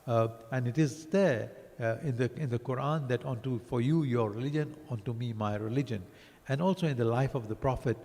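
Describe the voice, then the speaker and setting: A man born in Africa reviewing a book as a lecture, halting with many fillers and restarts. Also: mid-range voice, a little mellow. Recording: long hall reverb.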